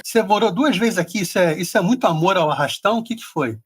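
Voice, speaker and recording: A man's voice: sits high, expressive, quick pace, slightly rough. A man with a Carioca accent hosting a podcast, chatting casually with many small restarts. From Rio de Janeiro. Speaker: podcast host. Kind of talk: casual interview chat.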